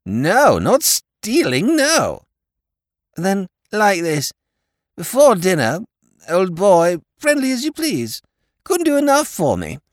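A reader voicing a bumbling young aristocrat who talks in clipped, slow, telegraphic phrases. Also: medium pitch, huge pitch swings, no room sound, clean studio sound, pitched above the performer's own voice. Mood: blustering. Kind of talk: audiobook character voice.

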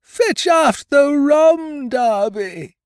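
A high, trembling ghost-pirate wail. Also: male voice, expressive, no echo, studio quality, heavily acted. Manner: wailing, drawn-out calls from far off.

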